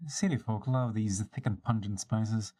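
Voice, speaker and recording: A man's voice: on the low side, steady tone, moderate pace, dark tone. Man reading game dialogue theatrically over music. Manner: theatrical, switches between character voices, stumbles and rereads lines. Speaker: live streamer. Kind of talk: dramatic read-aloud of video game dialogue. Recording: music behind the voice.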